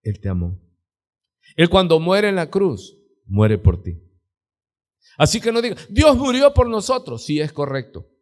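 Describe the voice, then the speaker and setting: A man's voice: a little high, sing-song, a little slow, long pauses. A middle-aged man with a Mexican Spanish accent, preaching a sermon in a church and putting rhetorical questions to the congregation. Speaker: pastor. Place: church sanctuary.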